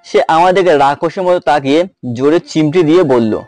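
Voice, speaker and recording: A young man narrates a love story in first person with wry, mischievous asides. His voice is fairly high for a man and sits close and dry on the mic, over faint music. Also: a little fast, darkish tone, dry recording. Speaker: narrator and male lead.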